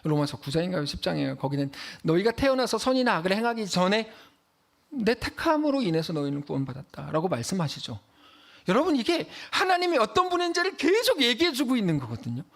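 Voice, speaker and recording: Animated Korean pastor preaching, high lively voice. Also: male voice, fast, creaky. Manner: animated preaching, acting out quoted voices, dropping to a hush for emphasis. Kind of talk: sermon.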